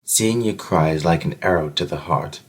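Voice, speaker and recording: A man playing a loyal, chivalrous nobleman in an audio drama, soft and husky, speaking with courteous, earnest, old-fashioned phrasing. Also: low-pitched, normal speed. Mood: tender, earnest. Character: gentle, loyal, chivalrous nobleman, protective and solemn.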